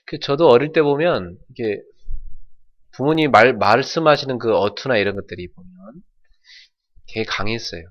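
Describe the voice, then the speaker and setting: A middle-aged man from North Jeolla preaching a sermon as pastor, telling folksy stories and shouting out imitations. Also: medium pitch, lively intonation, normal speed, pauses often, lo-fi sound. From North Jeolla, South Korea.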